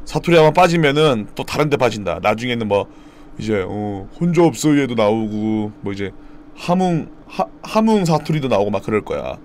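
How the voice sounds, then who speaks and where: Young man, live streamer, lively up-and-down voice, playful dialect mimicry, faint hiss behind. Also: mid-range voice, moderate pace. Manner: playful, mimics regional dialect words loudly. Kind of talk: casual stream chat, reading viewer comments.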